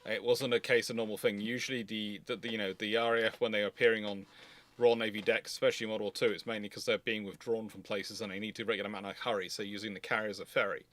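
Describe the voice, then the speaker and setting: A man's voice: lowish voice, flat delivery, fast, fairly bright tone. A man hosting a casual history discussion, rambling and often repeating words as he goes. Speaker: live stream host.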